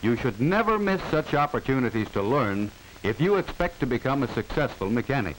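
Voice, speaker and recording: A steady hiss runs under an old 1940 film soundtrack as an American man reads scripted educational narration. He speaks briskly at medium pitch in a formal, instructive, clearly enunciated manner. The audio is poor.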